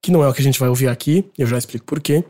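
A man's voice: mid-range voice, very fast, darkish tone. A man with a Brazilian Portuguese accent, hosting a casual podcast segment and giving chatty, opinionated music commentary.

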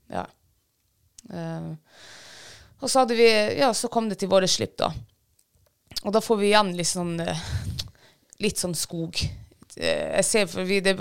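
Woman handler chatting away about her dog, gravelly but smooth voice, lots of ehs. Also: lowish voice. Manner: lively retelling with many fillers and restarts. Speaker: guest, bird dog handler. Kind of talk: casual storytelling.

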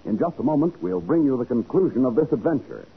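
A man's voice: on the high side, expressive, quick pace, creaky. An American man announcing and narrating a 1940s radio drama in a dramatic, declamatory scripted style. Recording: muffled old radio recording with music.

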